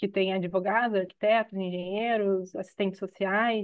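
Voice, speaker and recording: A woman with a Paraná accent speaks with fairly even intonation. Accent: Paraná accent, unchanged. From interior of Paraná, Brazil. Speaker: architect and urban planner. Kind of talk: webinar presentation. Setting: video call. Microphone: unstable internet connection.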